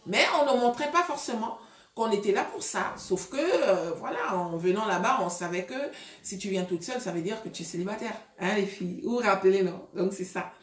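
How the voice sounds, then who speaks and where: A woman's voice: mid-range voice, a little fast. Woman vlogger, echoey room. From Gabon. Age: 30s. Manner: chatty, many fillers, addresses viewers directly. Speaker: vlogger giving relationship advice. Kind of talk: casual storytelling to viewers.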